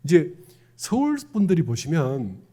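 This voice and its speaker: Husky, lively middle-aged Gyeongsang preacher. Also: male voice, fairly high pitch, measured pace. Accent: Gyeongsang Korean. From Gyeongsang province, Korea. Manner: conversational, asks the congregation questions. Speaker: Won Buddhist minister. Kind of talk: sermon to a congregation.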